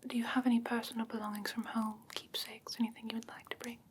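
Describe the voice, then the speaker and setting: A woman playing a doting, slightly haughty fae creature in a soft, breathy ASMR whisper, gentle and genteel with coaxing endearments. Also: fairly high pitch, little pitch movement, fast talker, a little hiss or hum, close to an everyday voice. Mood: gentle, pleased. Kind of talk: whispered ASMR fantasy roleplay.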